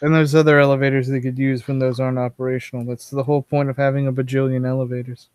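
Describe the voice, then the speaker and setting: Regular guy, medium pitch, chatting casually on a stream, no room echo. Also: level tone, fast, a little mellow, smooth. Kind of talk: casual chat.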